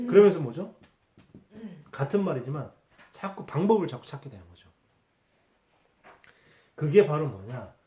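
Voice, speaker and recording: A man's voice: mid-range voice, dark tone, reverberant. A man preaching a Sunday sermon as pastor, asking rhetorical questions and repeating key words for emphasis. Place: church sanctuary.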